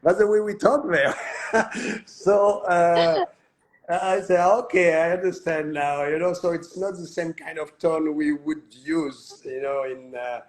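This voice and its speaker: Halting man interviewing. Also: on the high side, fairly even intonation, poor audio. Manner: halting, many fillers and restarts. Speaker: host. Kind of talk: live online interview.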